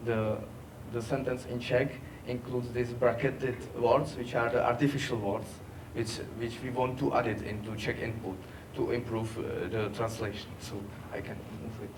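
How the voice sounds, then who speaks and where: A man giving a technical workshop presentation, halting with many fillers. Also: medium pitch, level tone. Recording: distant mic, background noise.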